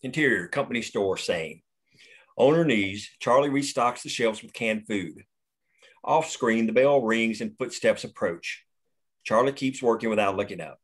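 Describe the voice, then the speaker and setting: Man reading stage directions, low voice. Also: moderate pace, slightly rough. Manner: plain, steady reading. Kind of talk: table read of a screenplay.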